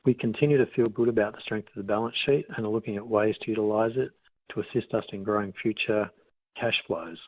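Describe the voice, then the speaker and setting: Male finance executive, flat and lowish delivery, formal scripted investor-call read. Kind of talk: scripted earnings call presentation. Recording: boxy phone-like line with room echo.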